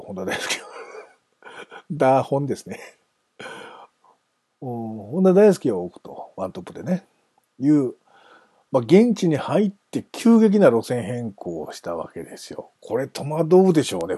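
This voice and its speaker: A man's voice: medium pitch, mellow, breathy edge, no room sound. A man hosting a casual solo talk, chatty and self-amused, wandering off into asides. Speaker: podcast host.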